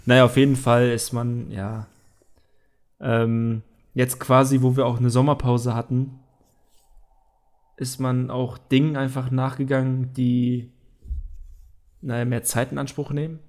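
A young man co-hosts a laid-back podcast. He drifts from point to point and fills the gaps with filler words. His voice sits at an ordinary middle pitch. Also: measured pace, pauses often. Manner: relaxed, rambling with many fillers. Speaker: podcast co-host. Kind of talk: casual podcast chat.

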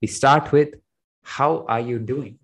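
A man's voice: medium pitch, fairly even intonation, normal speed, a bit bright. A man hosting a language podcast, conversationally setting up questions and prompts for a teacher. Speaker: podcast host.

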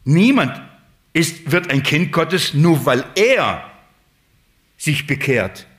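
A man preaching a sermon, emphatic, swinging between loud and hushed, and asking the congregation rhetorical questions. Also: fairly high pitch, sing-song, takes it slowly.

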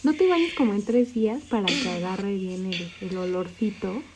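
A woman's voice: medium pitch, a little mellow. A Mexican woman in a casual chat, cutting in with teasing remarks and questions. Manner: teasing, quick interjections. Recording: noisy background hiss.

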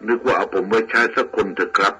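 A man's voice: on the low side, fairly even intonation, quick pace, bright, forceful tone, breathy edge, exaggerated voice, rough recording. A man voicing an ashamed, debt-ridden younger man who speaks humbly and pleads for help. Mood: humble, pleading. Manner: pleading, deferential.

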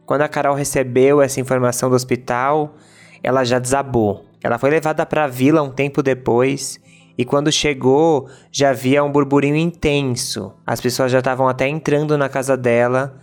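A man narrating a documentary from a script in a measured, somber way. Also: medium pitch, fairly even intonation, faint music behind.

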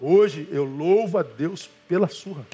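A man gives a sermon as a pastor in a fairly high voice. He tells stories casually and acts out the people in them, calling his listeners brother. Soft music plays faintly behind him. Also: unhurried. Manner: animated storytelling with quoted voices; colloquial, addresses listeners as brother.

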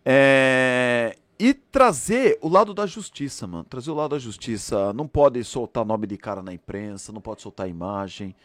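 A man's voice: medium pitch, expressive, normal speed, few pauses, fairly bright tone. A man with a São Paulo Brazilian accent chatting casually as a podcast guest, emphatic and full of slang. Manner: emphatic, slangy, often ends phrases with "meu".

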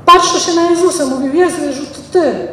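High-voiced woman preaching in an echoey hall. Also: a little fast, slight background noise. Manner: expressive preaching, reads scripture then dramatizes it; ends in prayer. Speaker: pastor. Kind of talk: sermon. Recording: reverberant hall from a distance, faint ambience.

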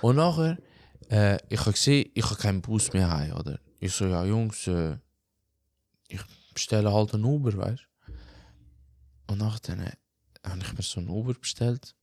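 A man's voice: fairly low pitch, moderate pace, pauses often, no echo, studio quality. A young man with a Swiss German accent, originally from Macedonia, telling a casual story in a podcast chat. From Albanian from Macedonia. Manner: animated, slangy storyteller with frequent filler tags. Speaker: podcast host.

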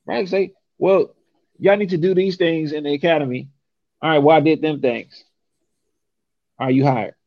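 A man's voice: a little high, moderate pace, pauses often, no room sound, lo-fi sound. A young man from San Francisco, talking casually and emphatically, often ending points with a rhetorical "right?". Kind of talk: casual conversation.

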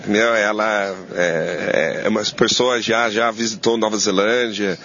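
Halting New chef speaking Portuguese. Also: male voice, on the low side, steady tone, creaky, fairly bright tone, muffled recording. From New Zealand. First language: English. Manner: halting, searching for words in Portuguese. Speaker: chef guest. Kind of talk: casual interview.

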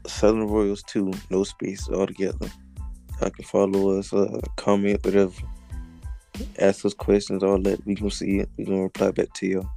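A man's voice: deep voice, completely flat delivery, normal speed, vocal fry, warm tone, faint music behind. A man with a South Carolina accent co-hosting a casual podcast in a laid-back, slangy way. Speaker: podcast co-host. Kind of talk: casual chat.

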